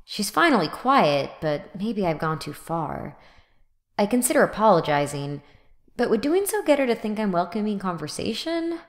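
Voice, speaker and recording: A woman's voice: medium pitch, very animated, normal speed. A woman playing a cynical, exasperated college student in her twenties, narrating and acting in an audio drama with sarcastic grumbling. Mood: wry, uncertain. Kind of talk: first-person audio drama narration and dialogue.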